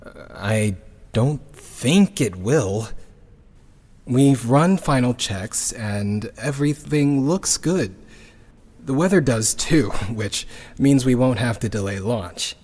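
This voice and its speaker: A man playing a grieving, weary rocket builder in a sci-fi audio drama, with a husky voice and a halting, subdued, confessional delivery. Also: medium pitch, animated, a little mellow. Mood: nervous, hopeful. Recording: long reverberant hall echo.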